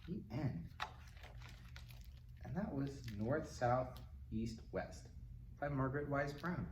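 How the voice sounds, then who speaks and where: A man reading a picture book aloud to young children in a gentle, simple manner, with little asides to them as a storytime reader. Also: medium pitch. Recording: roomy, distant mic with faint noise.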